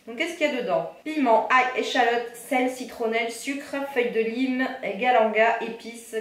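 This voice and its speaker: A woman vlogger chatting casually through a food box unboxing, reading ingredient lists aloud with fillers and self-corrections. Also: a little high. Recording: echoey room, faint background noise.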